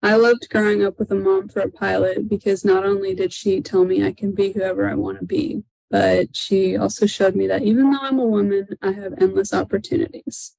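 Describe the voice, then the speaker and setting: A young woman with a gravelly, fry-edged voice reads a short message slowly and carefully. The sound is dry. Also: mid-range voice, flat delivery, a little mellow, no echo, rough recording. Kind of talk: prepared video message.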